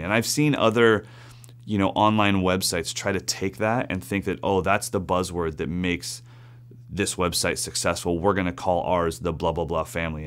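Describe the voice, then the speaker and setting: A man who teaches drums online, speaking earnestly and reflectively in a documentary interview. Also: low voice.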